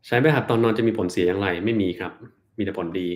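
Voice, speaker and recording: A man's voice: on the low side, steady tone, fast, a little mellow. A man, a doctor on a live stream, who reads out viewers' questions and answers them bluntly.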